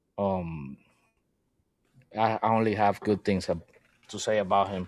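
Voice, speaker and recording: Speaking at a fairly slow pace, a man with a Puerto Rican accent has a fairly low pitch. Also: fairly even intonation. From Puerto Rico. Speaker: gaming live-streamer. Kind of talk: interview conversation. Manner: halting, many repetitions.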